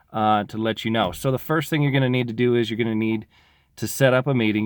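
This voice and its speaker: A man's voice: mid-range voice, smooth, dry recording. A locksmith talking casually to his viewers, rambling with lots of fillers, tired and losing his voice from getting sick. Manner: rambling, informal, frequent fillers. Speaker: locksmith sharing business advice. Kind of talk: casual talk to camera.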